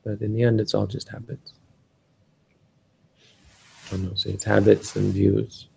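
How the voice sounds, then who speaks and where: A man's voice: lowish voice, level tone, a little slow, vocal fry, darkish tone, slight background noise, rough recording. A Canadian man giving a rambling casual talk on a live stream, often restarting and searching for words. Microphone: live stream setup.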